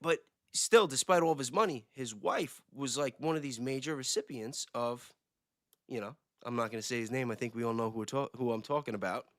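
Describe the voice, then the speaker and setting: Bright, dry-voiced man chatting casually. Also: mid-range voice, fairly quick, dry recording. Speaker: livestream guest, self-described independent investigator. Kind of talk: casual livestream chat.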